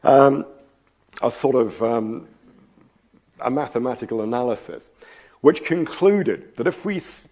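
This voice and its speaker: A man's voice: medium pitch, expressive, measured pace, long pauses, a little mellow. Man lecturing with a slight cold. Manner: thoughtful, rambling, frequent ums and asides. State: slight cold, losing his voice. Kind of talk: public science lecture. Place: lecture hall.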